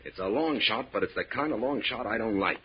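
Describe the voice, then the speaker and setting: A man's voice: lowish voice, lively intonation, a little fast, close to an everyday voice. An actor playing a ruthless, bossy bank robber in an old radio drama, talking in clipped tough-guy slang with a commanding manner. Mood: calculating. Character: ruthless bossy male bank robber, hard-boiled crook. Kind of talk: 1940s-50s radio drama acting. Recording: muffled old radio recording, faint hiss.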